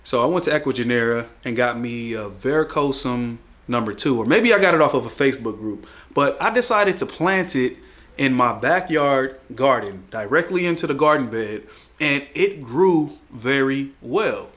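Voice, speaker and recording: A young man's congested voice, thick from a cold, in a relaxed and chatty home video. He talks easily, sometimes laughing at his own remarks, in a voice that sits at an ordinary middle pitch. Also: normal speed. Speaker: plant vlogger. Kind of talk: casual video chat about plant care.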